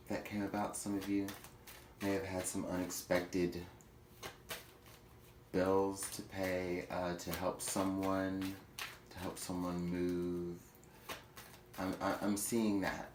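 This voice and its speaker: A man giving a chatty tarot reading, with playful asides and quick self-corrections. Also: low voice, a little mellow. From Houston, Texas. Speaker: tarot reader. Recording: echoey room with faint noise.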